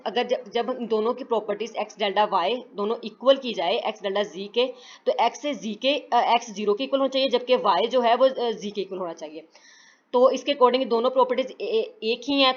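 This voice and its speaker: A woman tutor explaining math proofs in a recorded lecture, halting with fillers and self-corrections, mixing in English terms. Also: on the high side, lo-fi sound.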